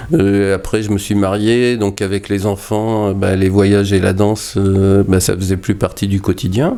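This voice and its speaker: Speaking at a very slow pace, a man uses fairly low pitch and fairly even intonation. His tone is dark and mellow. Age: 60s. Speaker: retiree. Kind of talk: interview.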